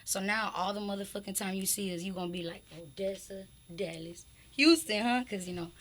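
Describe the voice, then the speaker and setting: A woman's voice: medium pitch, brisk, fairly bright tone. A woman guest in a casual group podcast chat, talking with hype, heavy slang and swearing. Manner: slangy, swearing, hyped talk. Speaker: music artist guest on a podcast.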